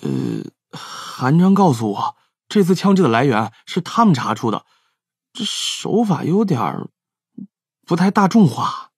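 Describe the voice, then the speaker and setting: A man's voice: on the high side, huge pitch swings, measured pace, gravelly, breathy edge, no echo, studio quality, full character voice. An actor playing an earnest male detective reporting findings in an audio drama. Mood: hesitant. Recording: faint music under the voice.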